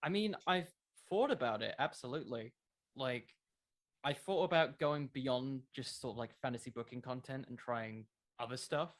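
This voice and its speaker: A man speaks as a guest in a casual podcast interview. He sounds earnest and explanatory, talking through his points in everyday conversational language at a middling pitch. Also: normal speed.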